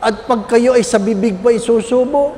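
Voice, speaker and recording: A man's voice: very high-pitched, normal speed, dark tone, long reverb tail, slight background noise. A man, a Catholic priest, preaching a homily with humorous stories and constant questions to his congregation. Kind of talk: sermon.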